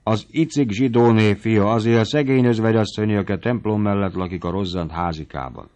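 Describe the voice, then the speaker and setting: A man doing a deadpan old manservant. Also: fairly low pitch, natural voice. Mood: phlegmatic. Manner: flat, unbothered. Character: phlegmatic old male servant, past eighty. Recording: dull lo-fi audiobook recording.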